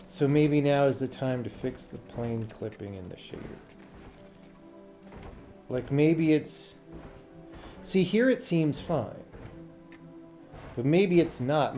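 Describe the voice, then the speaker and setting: A man's voice: mid-range voice, slow pace, pauses often, warm tone, soft background music. A man livestreaming game programming, muttering casually to himself in short fragments with the odd swear word. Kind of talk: casual thinking aloud while coding on stream. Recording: faint noise with keyboard typing. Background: computer keyboard typing.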